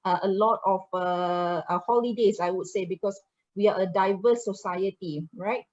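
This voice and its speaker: A woman's voice: mid-range voice, normal speed, darkish tone, muffled recording. A Malaysian woman with a Malaysian accent, giving a chatty promotional presentation to prospective students and slipping into Malay phrases.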